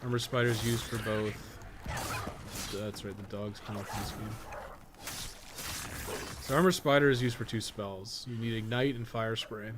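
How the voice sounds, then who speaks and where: A man's voice: on the low side, steady tone, moderate pace, long pauses, background noise. A man giving casual live gameplay commentary, thinking aloud in a rambling way and swearing casually. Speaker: podcast co-host and game guide writer.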